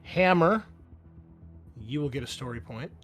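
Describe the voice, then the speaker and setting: A man's voice: mid-range voice, expressive, measured pace, a bit bright. A man acting as game master of a tabletop roleplaying game, addressing his players in turn with casual narration. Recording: music behind the voice. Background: music.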